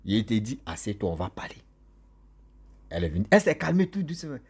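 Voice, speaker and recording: A man's voice: fairly low pitch, big pitch swings, fairly quick, husky. A man telling a ghost story casually, laughing often and acting out the people in it.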